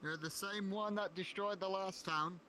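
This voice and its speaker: Man acting as suspicious fantasy townsman, fairly high voice, sarcastic, accusatory, theatrical, faint noise on voice chat. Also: fairly even intonation, moderate pace, bright, forceful tone, poor audio. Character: distrustful, indignant fantasy town survivor questioning a dragon. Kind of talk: improvised fantasy roleplay.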